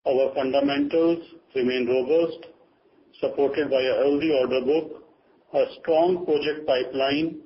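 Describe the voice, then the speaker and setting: An Indian man delivers prepared earnings remarks in a formal, scripted way. His voice sits a little high for a man. The sound is a dull, lo-fi conference call with faint noise. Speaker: company chief giving earnings remarks. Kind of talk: formal prepared corporate statement read aloud.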